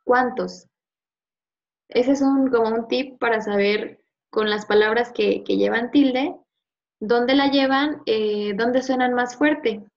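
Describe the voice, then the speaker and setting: Woman teacher, kinda high voice, patient, repeats stuff slow, muffled lo-fi sound. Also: darkish tone. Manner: patient, quizzing and repeating words slowly. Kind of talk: one-on-one review lesson. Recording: slightly muffled lo-fi audio.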